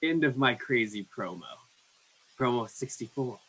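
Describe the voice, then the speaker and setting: A man narrating scripted stage directions in a husky voice. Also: mid-range voice, lively intonation, normal speed, sharp tone, low-quality recording.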